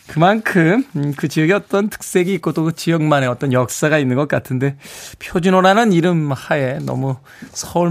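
A man hosting a morning radio show in a studio, chatty and chuckling as he reads out listener texts. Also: medium pitch. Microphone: studio microphone.

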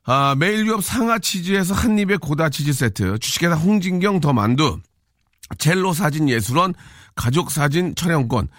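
A man hosts a radio show in easy, joking talk, reading out listener messages and sponsors. His pitch swings widely and he bursts out loud now and then. The studio sound is close and dry. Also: lively intonation, moderate pace, no room sound. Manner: playful, joking asides, sudden loud outbursts.

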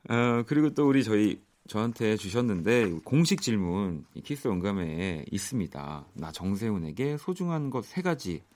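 Lively low-voiced man hosting radio. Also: moderate pace, hardly any pauses. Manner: lively, polite, animated questioning. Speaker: radio show host. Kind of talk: casual radio interview. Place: radio studio.

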